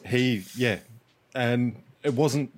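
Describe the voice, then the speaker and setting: Halting man in casual chat. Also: mid-range voice. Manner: halting, searching for words.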